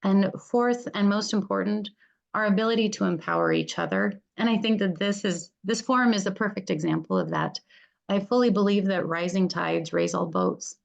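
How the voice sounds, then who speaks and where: Gravelly-voiced woman giving acceptance speech. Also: medium pitch, expressive, highs cut off. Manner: earnest, listing points deliberately. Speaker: award recipient, employment lawyer.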